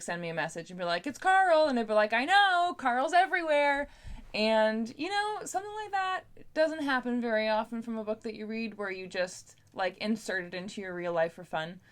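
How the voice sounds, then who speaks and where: A woman's voice: mid-range voice, fairly bright tone. Chatty Canadian woman talking books. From Ontario, Canada. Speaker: book vlogger. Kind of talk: casual chat to camera.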